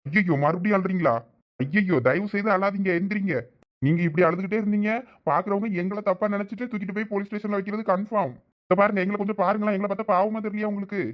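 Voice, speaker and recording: A man with a Thoothukudi Tamil accent acting in a village comedy sketch, with fast, pleading, joking banter. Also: high voice, fairly even intonation, muffled recording. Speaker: comedy skit actor.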